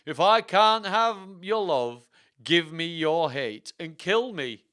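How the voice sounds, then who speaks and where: A man's voice: a little high, big pitch swings, measured pace, pushed and bright, heavily acted. A man voicing a murderous, scheming male suitor in a storybook, with pleading, overwrought theatrical delivery. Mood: desperate pleading. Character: melodramatic scheming murderous male suitor narrating his tale. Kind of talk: theatrical storybook read-aloud.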